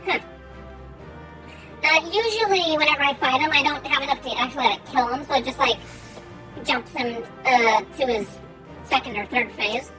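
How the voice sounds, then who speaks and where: A woman giving casual gameplay commentary and chatting with viewers in a rambling, halting way, her R's softened toward W. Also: high voice, poor audio. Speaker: game streamer. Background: faint music.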